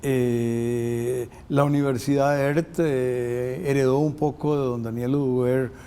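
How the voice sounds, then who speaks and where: An older man from Costa Rica hosting a university interview program, talking in a halting way with many filler sounds. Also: medium pitch, little pitch movement, warm tone, clear, resonant tone. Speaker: host.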